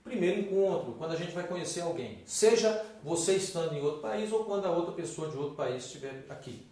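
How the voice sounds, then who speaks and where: A Brazilian man teaching English in a video lesson, lively and opinionated, slowing down to model phrases. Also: a little high, distant mic, slight background noise. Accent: Brazilian Portuguese. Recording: echoey room, off-mic.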